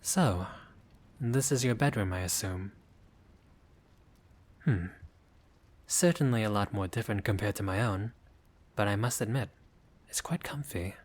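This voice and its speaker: A friendly gentleman vampire, acted by a man in an intimate roleplay audio. His voice sits a little low. He talks with old-fashioned courtesy, choosing formal words with a bashful, hesitant politeness. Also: measured pace, long pauses. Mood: polite, curious.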